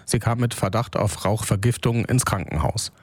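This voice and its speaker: A man reading scripted regional news on the radio in a calm, measured, even delivery. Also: fairly low pitch, husky, dry recording. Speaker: newsreader. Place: radio studio. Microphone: close studio microphone.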